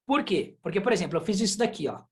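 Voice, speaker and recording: A woman's voice: mid-range voice, animated, fast, darkish tone. A woman from Brazil, a sign language teacher, giving a casual online lesson and explaining with chatty examples and asides.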